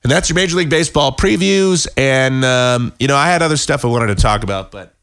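A man hosting a casual sports podcast, hoarse and sick with a cold, talking in a rambling, self-deprecating way with many halting restarts. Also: mid-range voice, a bit bright, dry recording. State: hoarse, losing his voice. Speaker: podcast host.

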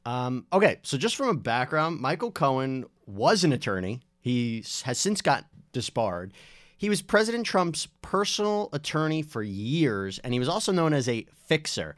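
A man co-hosts a talk show and walks through legal news in an easy, conversational manner, slipping in a few jokes. His voice sits at an ordinary pitch for a man. The sound is dry and close, with no room echo. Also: big pitch swings, moderate pace, fairly bright tone. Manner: explains legal points conversationally, jokes along. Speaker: podcast co-host. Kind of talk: casual legal news discussion.

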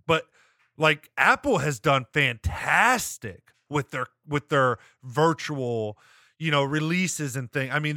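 A man's voice: medium pitch, bright, forceful tone, dry recording, clean studio sound. A man co-hosting a live-streamed talk show, rambling and hedging with lots of restarts as he reads chat and gives his view. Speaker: podcast co-host.

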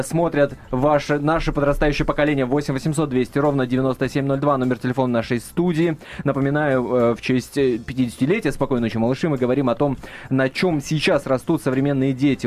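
A man hosting a live radio talk show in a studio, reading out facts and phone numbers in a brisk announcer manner. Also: medium pitch, a little mellow.

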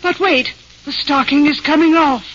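A woman's voice: high voice, moderate pace, a bit bright. A woman playing an ominous, money-minded gypsy fortune teller with portentous delivery in a 1940s radio comedy. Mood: mysterious, ominous. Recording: muffled, hissy 1940s radio recording.

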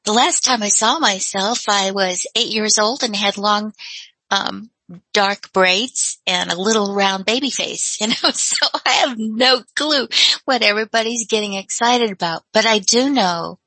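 A woman calling a talk radio show, speaking reflectively and laughing softly between thoughts. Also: mid-range voice, unhurried, husky, no room sound, poor audio. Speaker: caller.

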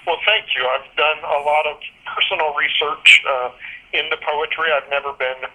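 A man in his thirties from Washington State who answers questions in an articulate, measured way. His voice is bright and forward, with a touch of tension in it. He is talking over a phone call. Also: on the high side, steady tone. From Washington State, USA. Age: 30s. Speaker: guest poet. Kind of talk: interview answers.

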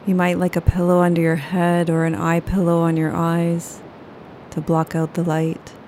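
Female meditation guide, low flat calm delivery, warm dark tone. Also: a little hiss or hum. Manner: slow, soothing, unhurried. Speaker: yoga nidra guide.

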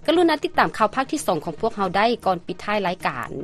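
A woman's voice: medium pitch, lively intonation, quick pace, music in the background. A woman with a Lao accent reading scripted radio news as the anchor.

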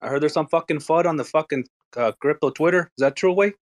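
A man's voice: a little high, quick pace, lightly acted. A man voicing a crude, teasing cholo homie character in live audio chat banter, with slangy, profane drawling.

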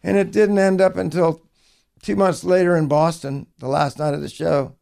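A middle-aged man, a songwriter telling stories in an interview with lively acted-out quotes. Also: on the high side, normal speed, gravelly. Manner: folksy, animated storytelling with acted-out quotes. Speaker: songwriter guest. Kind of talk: storytelling interview.

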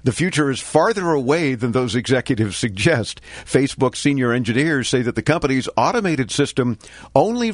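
A man's voice: mid-range voice, no echo. An older man with a congested, nasal voice hosts a tech radio talk show, reading the news with dry sarcasm and wisecracks. The sound is dry and close, in a mid-range voice. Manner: sarcastic, quipping commentary. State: congested with a cold. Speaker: host.

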